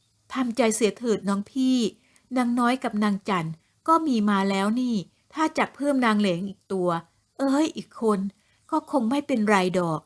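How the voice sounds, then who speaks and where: A woman voicing a sharp-tongued older noblewoman in a storybook drama, speaking in slow, cutting tones. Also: on the high side, natural voice. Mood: soothing. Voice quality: slow, cutting, scornful delivery.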